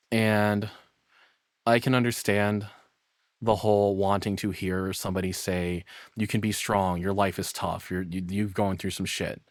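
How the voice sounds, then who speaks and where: A man's voice: on the low side, no echo, clean studio sound. A man streamer giving casual, musing reaction commentary with sighs and sweary asides. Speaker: streamer and host of reaction videos.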